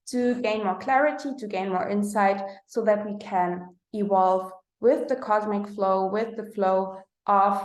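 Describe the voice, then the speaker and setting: Slow, halting woman with a German accent. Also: mid-range voice, darkish tone, reverberant. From Austria. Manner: slow, halting, searching for words with many fillers. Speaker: astrologer. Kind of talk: spiritual forecast talk.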